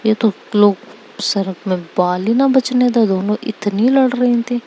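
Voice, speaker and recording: A woman's voice: medium pitch, measured pace, dark tone, slight background noise, natural voice. A woman voicing an exasperated young woman caught between two girlfriends, complaining dramatically in a storybook reading.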